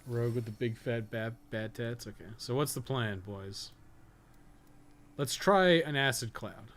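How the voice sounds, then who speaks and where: A man's voice: mid-range voice, unhurried, a bit bright, slight background noise. A man doing casual, sweary live gameplay commentary, often muttering to himself as he plays. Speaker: game streamer, podcast host.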